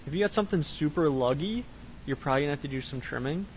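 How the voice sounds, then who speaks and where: Man, casual co-host chat, rambling, fillers, a bit higher voice, faint background noise. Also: animated, very fast. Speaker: co-host of a live truck parts show.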